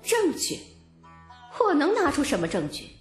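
A woman's voice: high voice, wildly swooping pitch, unhurried, soft background music, full character voice. A woman voicing a proud, sardonic young woman who stands accused at a royal court, cool and mocking, in an audiobook. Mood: defiant, indignant. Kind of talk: audiobook character acting.

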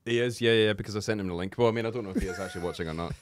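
A man's voice: lowish voice, rapid-fire, no echo. A man who runs a small business, chatting on a podcast panel, giggling self-consciously and trailing off. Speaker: entrepreneur, panel guest. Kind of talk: casual podcast panel chat.

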